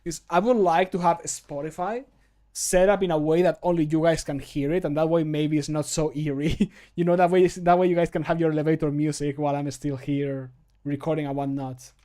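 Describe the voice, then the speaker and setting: Casual male streamer, thirties, slightly higher-pitched voice, jokey, muttery and sweary, close-miked at a home desk. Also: fairly even intonation, a little fast, dark tone. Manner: jokey, muttering to himself, profane. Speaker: streamer and game modder. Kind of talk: casual livestream chat while working. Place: home desk setup indoors. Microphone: close desk microphone.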